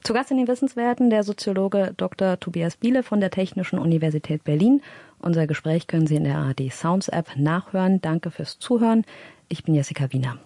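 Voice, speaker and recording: Female radio interviewer, mellow low voice, composed. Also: a little fast, no echo. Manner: calm, attentive questioning. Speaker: radio host.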